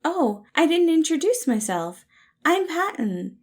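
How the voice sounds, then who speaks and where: A woman voicing a soft, sweet, eager and affectionate man in a storybook reading. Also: high voice, big pitch swings, unhurried, voice pushed up, full character voice. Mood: cheerful, affectionate. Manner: gushing, tender, affectionate.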